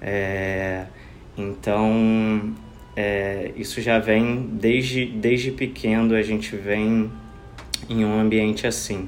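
Speaking very slowly with fairly even intonation, a man with a fairly low voice is heard in a room with audible echo. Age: 30s. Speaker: yoga teacher. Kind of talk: casual chat.

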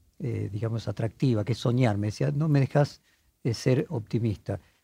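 A man talks at a moderate pace with a medium pitch and ordinary pitch variation. His voice is somewhat breathy, with a dark, mellow tone. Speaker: journalist. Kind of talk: interview.

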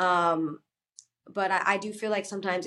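Recorded very cleanly against a silent background, a woman with an American accent speaks at a moderate pace with ordinary pitch variation. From US Pacific Northwest, Portland, Oregon. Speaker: actress. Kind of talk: interview.

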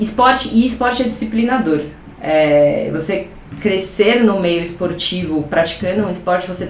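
Amid noticeable background noise and audible room echo, a woman speaks at a moderate pace with a medium pitch and ordinary pitch variation. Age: 30s. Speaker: sports medicine resident and coach. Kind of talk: casual interview.

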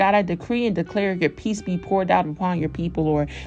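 A woman talks at a very fast pace in an animated tone, at a fairly low pitch, with a Southern US accent. Music plays in the background. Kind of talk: devotional talk and prayer. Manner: fast talker.

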